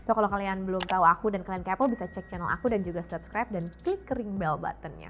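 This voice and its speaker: A woman's voice: medium pitch, fast talker, loud music behind the voice. A young adult woman talks candidly and casually to her viewers, dropping English phrases into her chat. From Indonesia, mixed European and Indonesian family. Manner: frank, chatty, code-mixing English phrases. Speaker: YouTube health and fitness vlogger.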